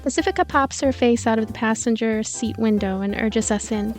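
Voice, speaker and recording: A woman reading a visual novel aloud in an expressive storytelling way, with casual commentary asides. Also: a little high, fairly quick. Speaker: let's play narrator and commentator. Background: game music.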